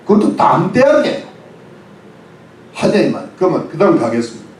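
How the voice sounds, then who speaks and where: Animated Korean pastor preaching in echoey church. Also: male voice, on the high side, fairly quick, recorded from a distance. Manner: explains word by word, mixing English phrases; asks the congregation questions. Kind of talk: sermon.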